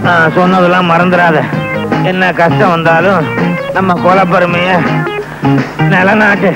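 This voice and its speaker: A male actor playing a dying old ex-gangster grandfather, gruff and commanding, in a film comedy scene. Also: sits high, flat delivery, a little slow, loud music behind the voice, rough recording. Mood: solemn. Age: older.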